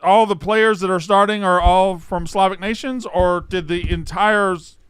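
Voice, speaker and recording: Male co-host, high smooth voice, joking and rowdy, dry close mic. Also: fairly even intonation, moderate pace, a bit bright, no echo. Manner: joking, rowdy, swears casually. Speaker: podcast co-host. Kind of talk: casual chat.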